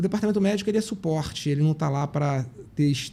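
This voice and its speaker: The man's delivery is fairly quick. Background noise can be clearly heard. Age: 60s. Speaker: orthopedic surgeon. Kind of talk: casual chat.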